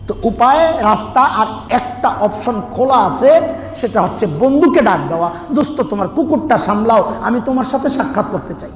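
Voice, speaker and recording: A man's voice: very high voice, lively intonation, moderate pace, soft background music. A Bangladeshi man preaching an Islamic sermon, explaining scripture in an emphatic, conversational way with rhetorical questions. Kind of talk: sermon explaining scripture with recitation and everyday analogies. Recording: echoey reverberant hall with background noise.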